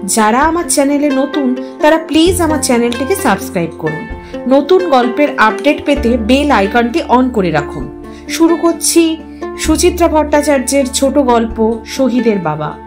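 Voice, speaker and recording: A woman with a somewhat high-pitched voice reads literary fiction aloud. Her delivery is scripted narration, expressive and dramatic, shaped for an audio story. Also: moderate pace, music in the background.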